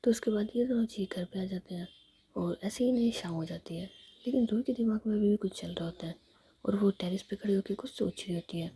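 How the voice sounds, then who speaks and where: A young woman softly whispering a romantic story as narrator, in an intimate way. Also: medium pitch, fairly quick, a little hiss or hum. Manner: soft, intimate, retelling in present tense.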